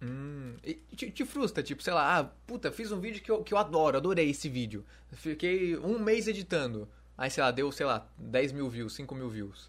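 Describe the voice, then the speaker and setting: On a very clean recording with a silent background, a man speaks at a moderate pace and a fairly high pitch, with very wide pitch swings. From Santos, São Paulo state, Brazil. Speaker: YouTuber, interviewer. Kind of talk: casual chat. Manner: animated.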